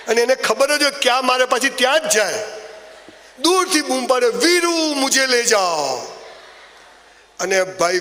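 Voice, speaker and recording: High-pitched man in a hall. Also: slight background noise. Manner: animated storytelling with mocking asides. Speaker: motivational speaker. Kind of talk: comic motivational speech.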